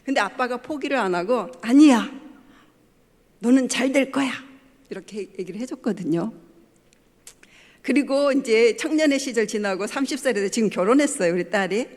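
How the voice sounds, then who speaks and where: A middle-aged pastor's wife gives a family talk in a church sanctuary, telling personal stories and acting out what her family members said. She speaks animatedly and a little fast in a fairly high voice, with long church hall reverb.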